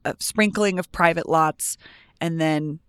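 A woman's voice: sits low, unhurried, clear, resonant tone, no room sound, clean studio sound. A woman host from Denver asking curious questions in a conversational interview. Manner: curious, inquisitive.

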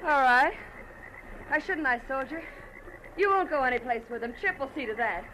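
Shrill, desperate femme fatale. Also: female voice, lively intonation, moderate pace, sharp tone. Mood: defiant. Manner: intense, overwrought. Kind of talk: 1940s American radio drama acting. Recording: noisy old radio recording.

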